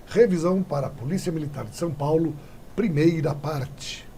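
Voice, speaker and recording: Lively Brazilian man teaching exam prep. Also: on the high side, normal speed, gravelly, a little hiss or hum. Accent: Brazilian Portuguese. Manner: lively, addresses viewers directly, checks in with tag questions. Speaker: Portuguese teacher. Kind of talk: exam-prep video lesson.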